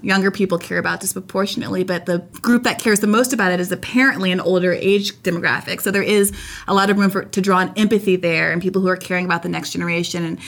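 A woman's voice: fairly low pitch, fairly bright tone. A woman hosting an interview, earnest and effusive, asking long winding questions. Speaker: host.

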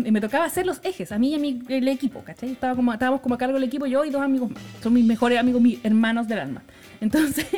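A woman's voice: sits high, darkish tone. A young woman with a Chilean accent telling a story in a casual, slangy way, laughing often.

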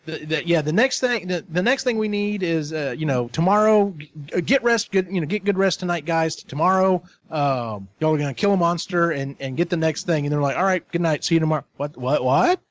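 A man in casual podcast chat who retells a story in an animated way and swears freely. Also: a little high, a little fast. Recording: dull lo-fi recording.

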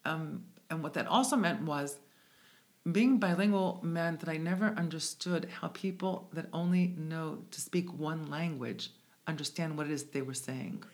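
Brief: woman guest from the US, native in English and Hebrew, low-pitched, thoughtful and searching, restarts her sentences. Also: normal speed. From United States. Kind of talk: conversational interview.

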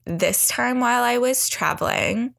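A woman's voice: on the high side, measured pace, creaky, a bit bright. A young woman hosting her podcast in a chatty, upbeat way, sounding groggy with her morning voice as she records from bed on a studio mic. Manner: chatty, upbeat, rambling updates. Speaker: podcast host. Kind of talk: casual solo podcast chat. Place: in bed, indoors. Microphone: new heavy studio microphone.

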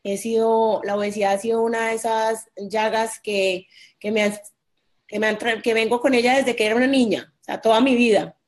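A woman from Colombia in her forties, speaking as an interview guest. Her voice sits a little high, and she tells her own story openly and with feeling. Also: fairly even intonation, normal speed. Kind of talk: personal interview.

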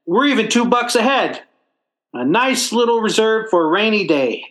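A man's voice: sits high, big pitch swings, moderate pace, fairly bright tone. A man as blustering sitcom dad, wildly swooping delivery. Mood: proud, pompous. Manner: blustery, stammering, folksy ungrammatical talk. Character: blustering, hapless working-class family father in radio comedy. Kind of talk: old-time radio sitcom acting.

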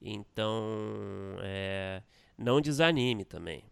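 Low, gravelly man. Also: takes it slowly, fairly bright tone. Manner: teasing, then earnest and congratulatory. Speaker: podcast co-host. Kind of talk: casual podcast chat.

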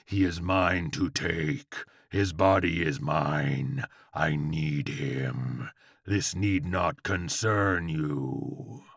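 Slow, growling demon dog. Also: male voice, vocal fry, fairly bright tone, slightly rough, no echo, clean studio sound, heavily acted. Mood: menacing. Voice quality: deep growl. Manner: slow, drawn-out, commanding delivery. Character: menacing demonic Chihuahua, possessive, growling otherworldly beast.

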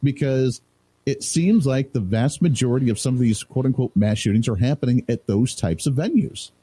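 A man's voice: mid-range voice, moderate pace, warm tone, breathy edge. A man sitting in as a talk radio host, chatting loosely and laughing easily with his co-host. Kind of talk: casual talk radio chat.

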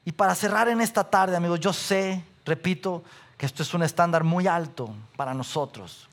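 Brief: pastor, high, bright voice, lively preaching that fires questions at the congregation. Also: male voice, moderate pace. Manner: animated, asks the audience questions, repeats lists. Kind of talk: sermon.

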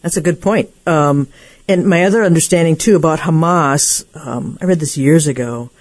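A woman's voice: sits low, normal speed, a little mellow, dry recording. A woman hosting a radio interview, asking questions and reading news items. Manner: inquisitive, reads news items. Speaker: radio show host.

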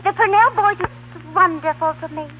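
An actress playing a brash, gushing young nightclub dancer with slangy streetwise talk in a 1930s radio comedy. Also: female voice, extremely high pitch, moderate pace. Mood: theatrically wounded. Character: brash young nightclub dancing girl craving publicity. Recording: scratchy, tinny 1930s radio broadcast.

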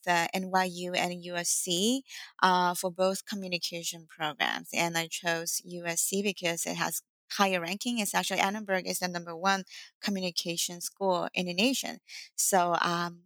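Woman, low, speaking up close. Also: a bit bright, no echo, low-quality recording. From China (Shanghai). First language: Mandarin Chinese. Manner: many "um" and "uh" fillers, earnest. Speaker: guest, startup CEO. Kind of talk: interview answers.

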